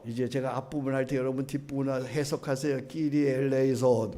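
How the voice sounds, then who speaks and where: A middle-aged man preaching as a pastor, leading his congregation in call-and-response prayer, dropping to a hush and rising to loud chanting. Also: medium pitch, steady tone, fairly quick, a crowd in the background. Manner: swings between hushed lines and loud chanted prayer. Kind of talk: sermon.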